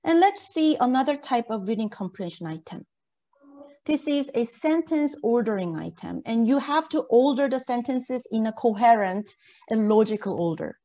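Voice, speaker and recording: A woman's voice: fairly high pitch, lively intonation, normal speed, mellow, highs cut off. A middle-aged woman giving an interactive online lecture, encouraging her students and often checking that they follow. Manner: encouraging, checks understanding often with short tag questions. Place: indoors, on a video call.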